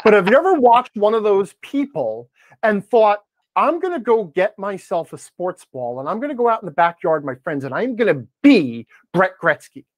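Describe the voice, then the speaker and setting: A middle-aged man debating conversationally as a podcast guest, assertive and quick to interject with pointed questions. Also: high voice, sing-song, no room sound. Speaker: podcast guest, game-advice blogger.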